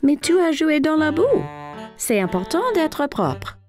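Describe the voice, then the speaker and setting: A woman voicing a patient, encouraging mother figure in a children's cartoon, gentle and coaxing with a singsong delivery. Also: high voice, sing-song, measured pace, faint music behind. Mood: reassuring. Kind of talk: children's cartoon dub acting.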